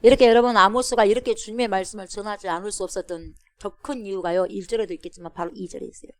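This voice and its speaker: A woman pastor giving an animated expository sermon, calling out to her congregation and acting out a roaring lion. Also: mid-range voice, racing, no room sound.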